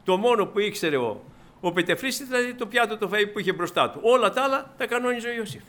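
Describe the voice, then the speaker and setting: A man's voice: sits high, lively intonation, a bit bright. A male preacher delivering a sermon, retelling a Bible story and acting out the characters' lines, often addressing listeners as brothers. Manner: dramatizes quotes with shifting voice and volume.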